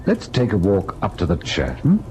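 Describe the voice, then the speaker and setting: A gentle, anxious young husband from a vintage radio ghost play. His voice is very low and moves around expressively. The old recording carries faint noise. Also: huge pitch swings, normal speed. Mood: soothing. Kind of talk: old-time radio drama acting and narration.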